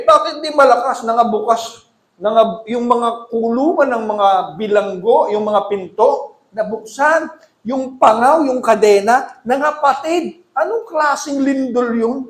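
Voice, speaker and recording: A man preaches to his congregation in a high, lively voice, asking them questions and answering them himself, often climbing to loud emphatic peaks. The sound rings with the echo of a church hall. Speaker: pastor. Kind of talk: sermon.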